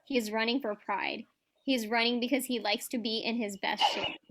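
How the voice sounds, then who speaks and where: A woman's voice: on the high side, steady tone, fairly quick, a bit bright. A woman reading scripted stage directions as narrator of a staged reading.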